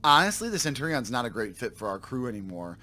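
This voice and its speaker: A man with a slightly raspy voice from a sore throat, casually commenting on his game for viewers and thinking aloud as he corrects himself. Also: mid-range voice, sing-song, fast talker, bright, forceful tone. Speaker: let's play host.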